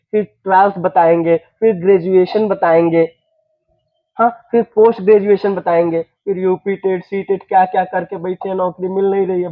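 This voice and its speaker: A young man with a Bhojpuri-tinged Hindi accent, from eastern Uttar Pradesh, teaching an English class, often repeating himself and checking that his students follow. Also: high voice. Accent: Bhojpuri-influenced Hindi. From eastern Uttar Pradesh, India. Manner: repeats phrases, checks students understand, slows down for English sentences. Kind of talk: classroom lesson. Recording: tinny phone-like recording.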